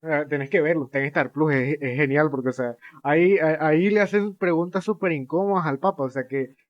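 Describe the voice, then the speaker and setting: Young male co-host, higher voice, hesitant storyteller with dry asides; dry close mic. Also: brisk, dry recording, dull audio. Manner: rambling, hesitant, many fillers and restarts, wry asides. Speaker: podcast co-host. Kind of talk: casual podcast discussion.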